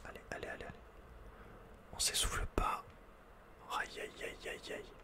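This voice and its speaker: A man whispering in a soft, breathy, unvoiced voice as he gives casual ASMR commentary on a video game, with slangy asides. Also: normal speed. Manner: casual, murmured running reactions with slangy asides. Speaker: ASMR gaming video host.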